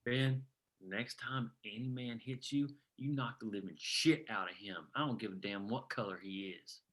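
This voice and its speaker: A man's voice: medium pitch, moderate pace, natural voice. A man playing a defiant, folksy coal miner who organizes a union, in a script table read. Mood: grim, resolute. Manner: forceful, folksy, plain-spoken and profane.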